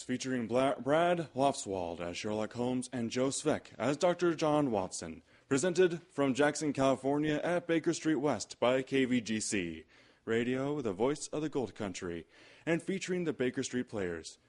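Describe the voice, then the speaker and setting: A man playing a genial radio host, announcing and pitching the sponsor in polished old-time radio style. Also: lively intonation, moderate pace, a little mellow, close to an everyday voice. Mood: formal.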